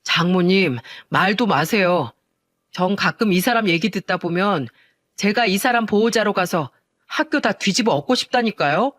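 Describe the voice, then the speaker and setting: A woman's voice: mid-range voice, lively intonation, moderate pace, fairly bright tone. A narrator voicing an angry, protective son-in-law who speaks respectfully to his mother-in-law. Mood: indignant. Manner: indignant, protective.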